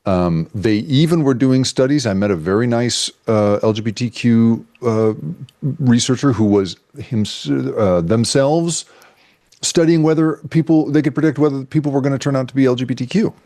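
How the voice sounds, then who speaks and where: A man, a guest journalist, telling a story in a casual interview, animated and halting with restarts and fillers. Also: mid-range voice, no room sound, clean studio sound.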